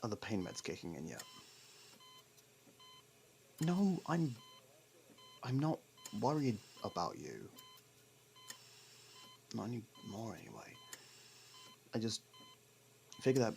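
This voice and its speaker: Guy playing a snarky criminal partner in asmr roleplay, low gravelly voice, scolding but secretly worried, bit noisy recording. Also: sing-song, a little mellow, full character voice. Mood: grudging concern. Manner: exasperated, scolding, halting pauses, swearing.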